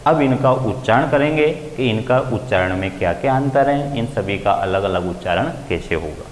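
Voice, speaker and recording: A man's voice: expressive, normal speed. A male grammar teacher lecturing step by step, lifting his voice on key terms. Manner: explains step by step, raising pitch to stress key terms. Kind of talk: classroom lecture. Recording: echoey room with long reverb, faint ambient noise.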